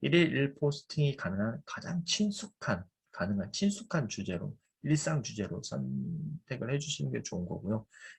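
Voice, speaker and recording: Music plays in the background. A man's voice swings very widely in pitch. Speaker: online course instructor. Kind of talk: lecture. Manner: frequent filler words.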